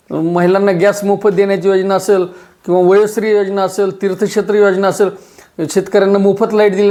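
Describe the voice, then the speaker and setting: A middle-aged man, a local party leader giving a forceful, repetitive press statement. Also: high voice.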